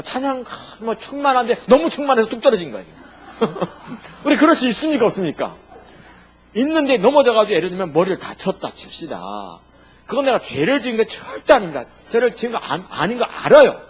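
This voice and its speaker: A male pastor delivers a sermon in a husky voice that sits a little high. His delivery is animated, with wide swings in pitch and sudden turns from loud emphasis to near-murmured asides. He keeps asking the congregation rhetorical questions. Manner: asks the congregation rhetorical questions, jokes and laughs.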